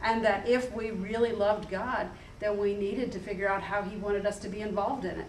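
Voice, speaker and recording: A woman talks with a fairly high pitch. Noticeable background noise and audible room echo surround her voice. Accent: American. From United States. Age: 60s. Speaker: charity executive. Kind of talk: interview.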